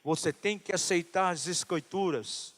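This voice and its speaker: A man with a Brazilian Portuguese accent preaching a sermon, telling a story in a voice that swings between loud exhortation and hushed asides. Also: high-pitched, measured pace. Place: church conference.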